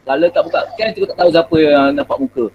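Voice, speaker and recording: A man's voice: a little high, fast talker, phone-quality sound, a little hiss or hum. A man teacher coaxing an online class. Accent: Malaysian Malay. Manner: coaxing, repeats "ah" and "ya" often. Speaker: primary school teacher. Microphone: video call.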